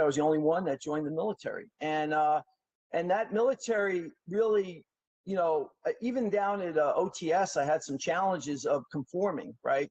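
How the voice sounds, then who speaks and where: A middle-aged man from New York City talks at length as a podcast guest. His voice sits slightly high, and he rambles through stories with plenty of fillers and restarts. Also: a little mellow, highs cut off. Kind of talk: casual interview storytelling.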